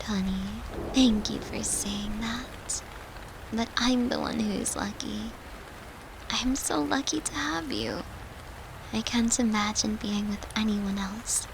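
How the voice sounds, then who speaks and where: A woman plays a devoted girlfriend in an intimate comfort roleplay, her fairly high voice moving at an unhurried pace. Tender, soothing and coaxing, playful yet protective, she sometimes sinks into breathy murmurs, with a clear rain-like hiss behind her.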